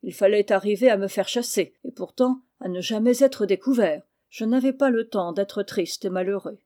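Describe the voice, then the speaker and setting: Storybook orphan boy, impulsive and pleading, read by a woman, mellow tone. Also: mid-range voice, normal speed, lightly acted. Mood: excited. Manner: eager, pleading.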